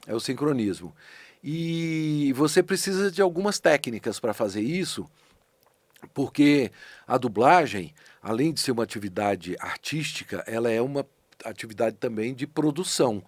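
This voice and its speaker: Animated Brazilian man, voice actor guest. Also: medium pitch, moderate pace, no room sound. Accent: Brazilian Portuguese. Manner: thoughtful, animated, with frequent restarts and rising emphasis. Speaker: voice actor and dubbing director, guest. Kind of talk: casual conversational interview. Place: podcast studio.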